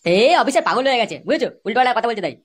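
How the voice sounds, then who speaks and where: A man voicing an indignant, flustered father in a comedy cartoon, protesting in a pitched-up voice. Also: expressive, racing, fairly bright tone, full character voice. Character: indignant father defending his rascal son in comedy cartoon.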